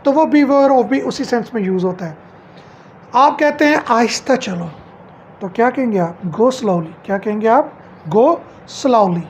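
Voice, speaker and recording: A woman's voice: a little high, expressive, measured pace, darkish tone, slight background noise. A middle-aged woman at home teaching English phrases, asking each one back as a question and then answering it.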